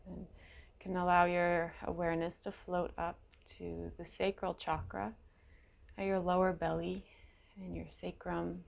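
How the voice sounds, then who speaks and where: A woman leading a guided meditation in a gentle, unhurried way, leaving long pauses between short phrases, with a creaky voice. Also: fairly low pitch, flat delivery, muffled recording. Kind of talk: guided meditation, slow and soothing.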